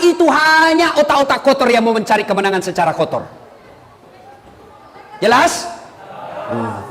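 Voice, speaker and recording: A man preaching a humorous sermon to an audience, lively and animated, now and then acting out voices for jokes. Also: very high-pitched. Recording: long hall reverb, faint noise.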